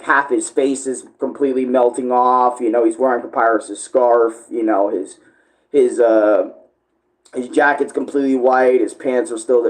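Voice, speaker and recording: Male streamer, mid-pitched, informal and rambling, halting as he searches for phrasing. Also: darkish tone, low-quality recording. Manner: halting, searching for words, self-correcting. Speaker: online video creator and live streamer. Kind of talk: casual rambling livestream chat.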